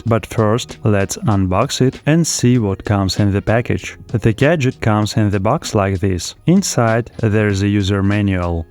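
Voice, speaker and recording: A man's voice: on the low side, a little mellow. A man reading scripted voice-over narration as a product reviewer. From lives in Spain.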